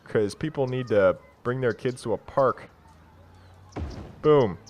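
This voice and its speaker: A young man from Canada giving casual, excitable commentary while playing a city-building game, swearing freely and talking to himself. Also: mid-range voice, takes it slowly, soft background music. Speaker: let's play gamer.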